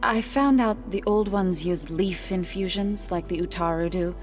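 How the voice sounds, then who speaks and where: A woman playing a calm, loyal tribal companion in a video game, measured and gently amused. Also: fairly low pitch, lightly acted. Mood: musing. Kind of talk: video game cutscene acting. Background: faint music.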